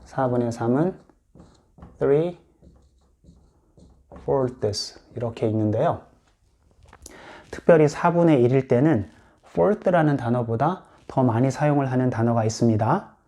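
A man's voice: mid-range voice, lively intonation, normal speed, mellow. A man teaching English in Korean, patiently explaining and repeating each English word for practice. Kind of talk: explanatory lesson.

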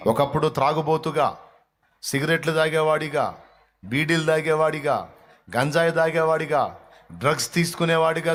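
A man's voice: fairly high pitch, a bit bright. A man preaching a sermon, using colloquial storytelling, repeated phrases and rhetorical questions. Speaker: pastor.

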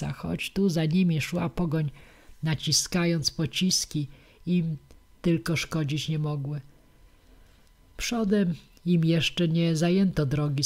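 A woman narrating a classic novel for an audiobook. She reads in a measured, steady way through long passages. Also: sits low. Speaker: audiobook reader.

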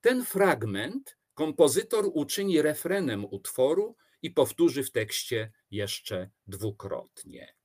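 A man giving a measured, explanatory literature lecture. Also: fairly high pitch. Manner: measured, explanatory, with expressive rises and falls. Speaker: teacher.

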